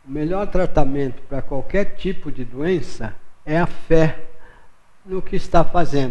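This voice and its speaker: His intonation is lively. The man talks at a very slow pace. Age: 70s. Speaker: TV show host, interviewer. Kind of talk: TV interview.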